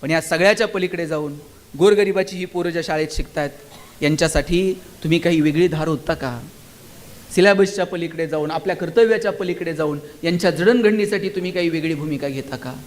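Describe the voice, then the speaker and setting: A motivational speaker with a slightly high voice talks a little fast as he gives a passionate stage speech to students and teachers at a school gathering. He keeps throwing rhetorical questions at the audience.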